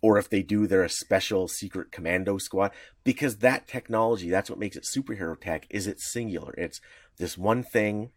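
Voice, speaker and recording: A man with a fairly low voice co-hosts a casual podcast and explains things in long, rambling stretches full of "like" and restarts. The sound is dry and close, with no room to it. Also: normal speed, no echo. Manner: rambling, animated explainer with many fillers. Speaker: podcast co-host.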